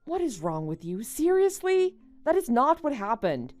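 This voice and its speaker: A woman's voice: sits high, sing-song, moderate pace, darkish tone, faint music behind. A woman playing a level-headed young married woman, a betrayed friend who answers firmly and with exasperation in a story drama. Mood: indignant, firm. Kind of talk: melodramatic animated-story voice acting.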